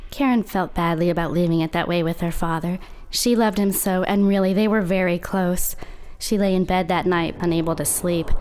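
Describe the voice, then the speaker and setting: A woman playing a haunted, confiding teenage girl who narrates a horror audio drama in a deliberate, dramatic way. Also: fairly low pitch, steady tone, darkish tone, a little hiss or hum, lightly acted, poor audio. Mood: hushed suspense.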